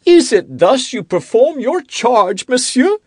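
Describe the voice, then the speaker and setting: A man voicing a fretful, self-pitying king who turns irritable and accusing, with a high, whiny, petulant voice in an audiobook. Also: big pitch swings, slow, a little mellow, breathy edge, no echo, clean studio sound, heavily acted. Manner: rising into indignant outbursts. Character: fretful, self-pitying middle-aged king, quick to anger. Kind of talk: audiobook character reading.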